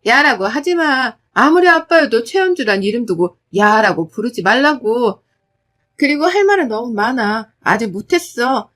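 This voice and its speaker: Woman playing a teenage daughter, defiant, sharp-tongued, fairly high. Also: lively intonation, moderate pace. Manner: sharp, defiant, talks back. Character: bold outspoken teenage daughter.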